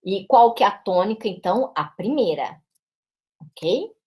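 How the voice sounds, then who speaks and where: A woman English teacher from Brazil with a São Paulo interior accent, explaining pronunciation and often checking in with quick tag questions. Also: medium pitch, lively intonation, a little mellow. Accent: São Paulo interior Brazilian Portuguese. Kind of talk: pronunciation lesson narration.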